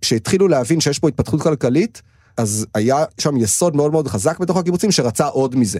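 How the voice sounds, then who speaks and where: In a very clean recording with a silent background and a dry, close sound with no echo, a man with a fairly high pitch and a dark, mellow tone speaks at a fairly quick pace, with lively intonation and very even loudness. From Israel, kibbutz in the Upper Galilee. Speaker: historian. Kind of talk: interview.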